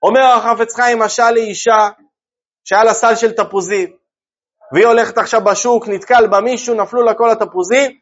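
Male Torah teacher, lively, rhetorical, dull lo-fi sound. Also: very high-pitched. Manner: lively, asks listeners rhetorical questions. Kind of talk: religious class to a group.

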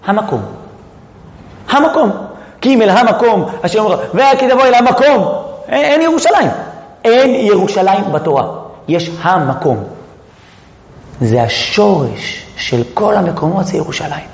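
A man giving a lively Torah lesson, quizzing his listeners with rhetorical questions and joking asides. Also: sits high. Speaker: Torah teacher. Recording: echoey hall, muffled sound.

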